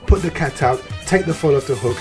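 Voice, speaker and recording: A man hosting a radio interview show, reading polished introductions and asking questions in a measured way. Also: a little high, music in the background.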